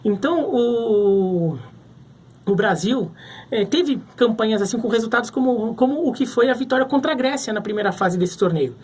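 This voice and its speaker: A man's voice: high-pitched, lively intonation, moderate pace, darkish tone, husky. A man from Brazil giving casual sports commentary to camera, thinking aloud with frequent restarts.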